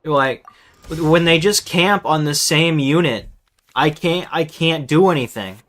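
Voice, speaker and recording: Streaming a game, a man delivers casual, exasperated commentary full of swearing, often stammering over repeated words. His voice is fairly high and fairly bright, and he speaks unhurriedly over the game music.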